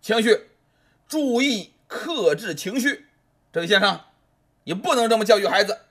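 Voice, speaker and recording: A male storyteller voicing a police officer on night duty who calmly urges restraint. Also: sits high, moderate pace. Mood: firm. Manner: calming, admonishing.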